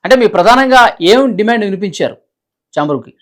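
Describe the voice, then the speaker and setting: A woman's voice: mid-range voice, expressive, quick pace. A woman interviewing someone over the phone, politely putting questions and prompting with short acknowledgements. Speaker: interviewer, reporter.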